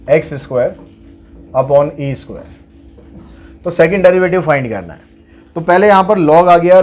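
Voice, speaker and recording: The speaker is a male maths teacher whose voice sits on the high side with a touch of mellowness. He goes through the problems step by step, voicing his reasoning and answering his own questions as he goes.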